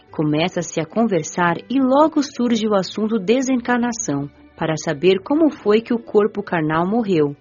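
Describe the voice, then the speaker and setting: A Brazilian-accented woman narrates a story in the first person. Her medium-pitched voice moves with very animated intonation. Faint music sits under the slightly dull recording. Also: husky. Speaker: audiobook narrator. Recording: muffled lo-fi audio with music.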